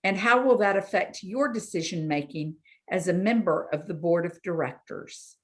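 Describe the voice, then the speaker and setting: A woman's voice: lowish voice, moderate pace. A woman moderating candidate speeches, asking brief, formal questions.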